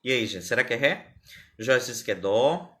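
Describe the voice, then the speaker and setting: A man's voice: medium pitch, expressive, normal speed, fairly bright tone. Patient male music teacher. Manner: patient, explains step by step, asks viewers questions. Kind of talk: live online music theory lesson.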